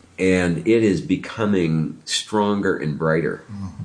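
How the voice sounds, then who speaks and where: A man with an American accent speaks at a very deep, low pitch with lively intonation. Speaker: consultant and facilitator. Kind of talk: casual interview conversation.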